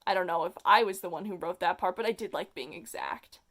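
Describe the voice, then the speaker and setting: A young adult with a feminine-sounding voice, reading a story they wrote as a child and mocking it, animated and self-deprecating. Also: female voice, on the low side, brisk. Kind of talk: comedic reading and commentary.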